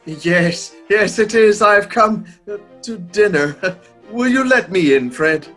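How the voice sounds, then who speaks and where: An old miser turned generous uncle, with a fairly high voice for a man. He is exclamatory and theatrical, in radio-play style, over light music. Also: takes it slowly, sharp tone, full character voice. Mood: joyful, humble. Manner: exclamatory, chuckling, repeats himself for emphasis.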